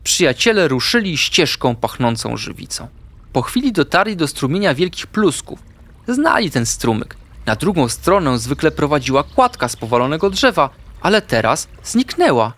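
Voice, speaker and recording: Lively man reading a children's story. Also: fairly high pitch, normal speed. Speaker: narrator.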